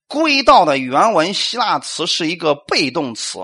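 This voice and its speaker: A man's voice: a little high, big pitch swings, unhurried, pushed and bright, husky. A male pastor preaching a sermon, asking rhetorical questions, acting out quotes and calling for amens.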